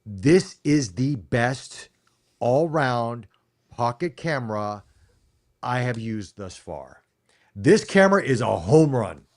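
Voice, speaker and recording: Co-hosting a relaxed live-stream conversation, a middle-aged American man talks slowly and emphatically, his mid-range voice making big pitch swings. He often starts his phrases over.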